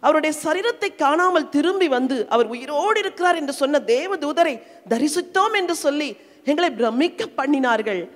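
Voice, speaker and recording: A middle-aged Indian woman with a Tamil accent preaches a sermon in a high, animated voice at a moderate pace. Her delivery is emotional, swelling and ebbing in intensity, and the recording carries the long reverberation of a hall.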